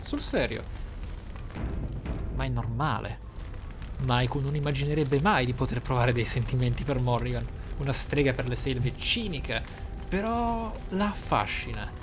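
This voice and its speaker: A man commentates casually on a role-playing game. He muses aloud in an amused way, as if thinking for his character, while music plays clearly behind his voice. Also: mid-range voice, measured pace. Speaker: let's play host.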